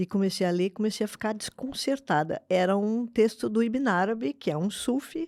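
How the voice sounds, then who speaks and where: At a moderate pace, a woman with a fairly high pitch and a dark, mellow tone speaks with lively intonation on a very clean recording with a silent background. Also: dry, close sound with no echo. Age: 60s. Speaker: philosophy of education scholar. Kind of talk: interview conversation.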